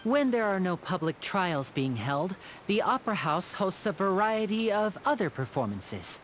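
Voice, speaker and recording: A man's voice: sits high, big pitch swings, normal speed, fairly bright tone, slight background noise. A man playing a polite, charming young stage magician in a video game, speaking like a courteous showman. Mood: affable. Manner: courteous, smooth-talking showman.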